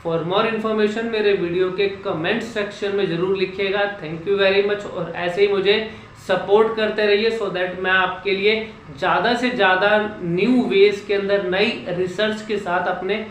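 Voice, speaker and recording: A man working as a speech coach, explaining how sounds are made and slowly drilling single syllables in an instructional vlog. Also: high-pitched, fairly even intonation, a bit bright, slight background noise. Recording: echoey room with faint ambience.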